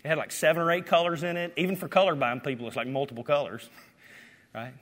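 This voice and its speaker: Animated preacher in a reverberant hall. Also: male voice, a little high, quick pace. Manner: animated, swings from loud to hushed. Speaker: pastor. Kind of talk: sermon. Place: church sanctuary. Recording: echoey hall with long reverb.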